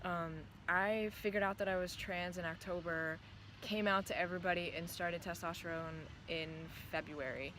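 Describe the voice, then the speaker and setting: A trans man whose voice is still often heard as female, talking thoughtfully with many pauses and restarts in a casual vlog. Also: high voice. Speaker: vlogger. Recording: steady clear background noise.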